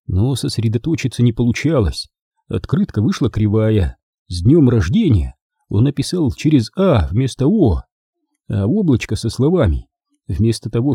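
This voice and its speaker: Dark, husky male storyteller. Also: mid-range voice, no room sound, clean studio sound. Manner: expressive storytelling. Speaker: audiobook reader. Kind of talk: scripted narration.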